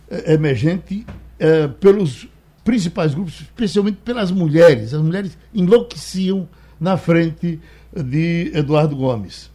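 A man with a Brazilian accent hosting a radio show, talking casually and haltingly as he tells anecdotes and reads a note. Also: fairly high pitch, mellow. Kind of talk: casual talk, reading a note aloud.

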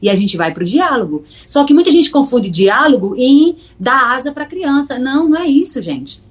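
A middle-aged psychologist from Pernambuco speaks with a Northeastern Brazilian accent. Her voice sits a bit high and moves a lot in pitch as she explains. She keeps slipping into little voiced scenes of parents and children. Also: normal speed. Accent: Northeastern Brazilian Portuguese. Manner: animated, acts out parents and children in quoted dialogue. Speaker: psychologist guest. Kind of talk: explanatory interview talk.

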